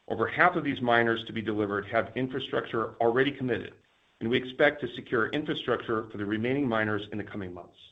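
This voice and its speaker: Formal male executive, dull lo-fi audio. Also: medium pitch. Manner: formal, measured corporate delivery. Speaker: company finance executive. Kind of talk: scripted earnings call presentation. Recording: dull, lo-fi conference call audio.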